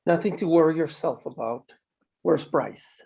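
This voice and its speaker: A man plays a proud, reserved man of means in a drama table read. The voice is dark and mellow, with a breathy, husky texture. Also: on the high side, measured pace, heavily acted. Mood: irritated.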